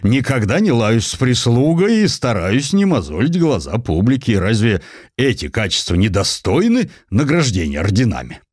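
A man's voice: mid-range voice, very animated, moderate pace, darkish tone, no room sound, voice pushed up. A man acting a gloomy, self-mocking aging inventor tycoon with a dry, grumbling manner, in an audio drama. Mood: wry, mocking. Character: Alfred Nobel, wry gloomy aging misanthropic inventor tycoon.

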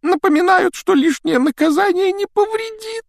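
A man voicing a tearful, groveling male house-elf with a shrill, squealing, wailing voice in an audiobook reading. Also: normal speed, creaky, dry recording, studio quality. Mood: pleading, fervent. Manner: squealing, wailing, self-pitying. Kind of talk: audiobook character voice.

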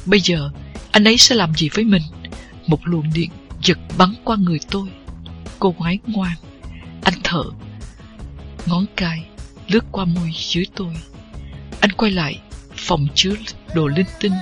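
An audiobook narrator reading a first-person novel at a steady, unhurried pace. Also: mid-range voice.

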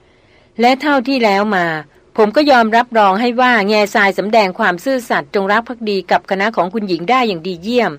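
A woman's voice: a little high, brisk, no room sound, natural voice. A woman reading an audiobook novel, voicing a proud, wry male jungle hunter with a dry, teasing manner. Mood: earnest.

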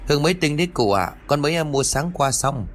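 Guy putting on a nervous young servant girl, high and quick, bouncy. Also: expressive, faint music behind. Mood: eager.

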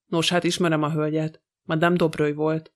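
A man's voice: fairly high pitch, little pitch movement, natural voice. A man reading an audiobook, voicing a sly, gossipy old female housekeeper who talks with scorn. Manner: grumbling, scornful.

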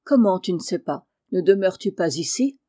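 A woman voicing a kindly, blunt middle-aged male farmer in an audiobook, speaking low and hushed. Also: lively intonation, moderate pace, dry recording, studio quality. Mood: gruff. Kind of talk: audiobook character reading.

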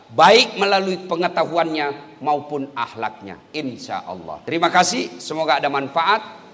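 A man preaching a sermon, swinging between loud calls and soft murmured prayers. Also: on the high side. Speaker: Islamic preacher. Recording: long hall reverb.

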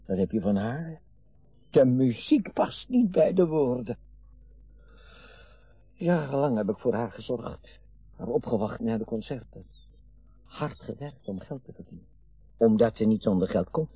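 An actor in his sixties playing a garrulous, meddling, wistful retired father in a radio play, rambling and halting, with sudden emphasis. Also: medium pitch, lively intonation, breathy edge, dry recording, lo-fi sound, soft background music. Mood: bitter, exasperated. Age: 60s. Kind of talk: naturalistic radio drama acting.

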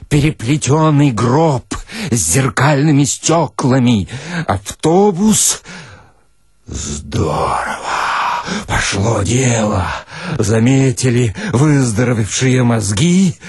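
A man giving a theatrical, expressive first-person reading of satirical short stories, with deliberate pauses and a husky voice. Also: mid-range voice, dry recording, studio quality. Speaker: narrator, reader of literary stories.

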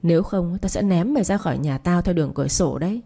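A woman's voice: lowish voice, quick pace, vocal fry, dark tone, breathy edge. A woman voicing a furious young wife who orders people out of her house in a harsh, commanding way.

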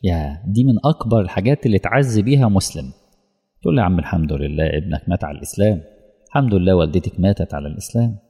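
Egyptian male preacher, low dark husky voice, emotional sermon, long hall echo. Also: lively intonation. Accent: Egyptian Arabic. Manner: emotional, slow emphatic preaching that drops to near-whispers.

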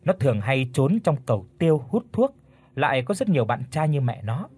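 Husky male audiobook narrator. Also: medium pitch, fairly quick. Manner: steady, even reading. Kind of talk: storybook narration.

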